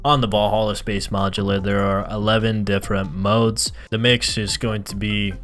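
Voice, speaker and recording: A man narrating a software tutorial as host, explaining step by step and addressing viewers directly. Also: lowish voice, level tone, normal speed. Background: background music.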